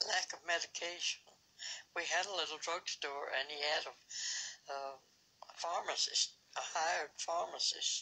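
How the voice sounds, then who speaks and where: In an Alabama accent, a woman speaks at a fairly slow pace. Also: big swings in loudness. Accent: Southern US (Alabama). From rural Alabama. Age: 80s+. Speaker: 1918 pandemic survivor. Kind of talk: oral history interview answer.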